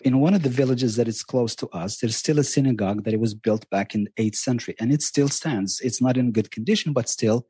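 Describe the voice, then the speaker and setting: Moroccan man, warm dark husky tone, eager storyteller, close dry mic. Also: medium pitch, brisk, hardly any pauses, no room sound. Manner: enthusiastic, repeats words, storytelling. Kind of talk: casual podcast chat.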